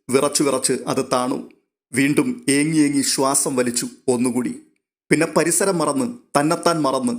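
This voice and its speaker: A man reads a serial novel aloud as its narrator. His delivery is steady and measured. He sits at an ordinary middle pitch for a man.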